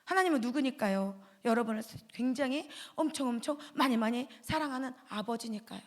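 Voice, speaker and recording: A woman giving a lively children's sermon as a pastor's wife, asking the children questions and acting out the voices of the people in her story. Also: a little high, brisk. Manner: animated, asks the children questions; acts out voices of the devil, children and God. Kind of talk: children's sermon with acted dialogue.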